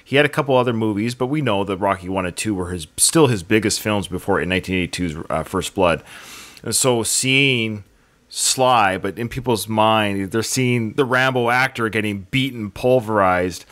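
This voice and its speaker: A man's voice: fairly low pitch, normal speed, a bit bright. A man hosting a podcast, chatting and joking as he rambles through film history. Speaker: podcast host. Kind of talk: casual podcast chat.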